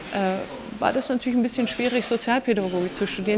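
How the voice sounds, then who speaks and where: A very fast-talking woman against noticeable background noise. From Swabia, southern Germany. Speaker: social worker, foundation worker. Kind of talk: interview conversation. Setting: literature cafe in Berlin.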